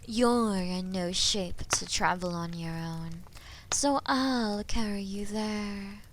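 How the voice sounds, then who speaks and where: Woman acting as haughty dragoness, extremely slow delivery, imperious, menacing, breathy phrase endings, fantasy audio roleplay, faint background noise. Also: mid-range voice, natural voice. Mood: haughty, commanding.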